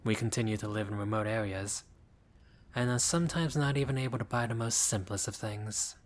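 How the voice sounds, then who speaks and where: A friendly gentleman vampire, acted by a man in an intimate roleplay audio. His voice sits a little low. He talks with old-fashioned courtesy, choosing formal words with a bashful, hesitant politeness. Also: fairly even intonation, brisk, close to an everyday voice. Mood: wistful, earnest.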